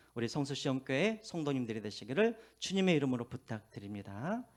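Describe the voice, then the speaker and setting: Over a silent background in a very clean recording, a man speaks at a moderate pace with very wide pitch swings. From South Korea, Gwangju (Jeolla). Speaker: pastor. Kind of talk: sermon. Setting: church.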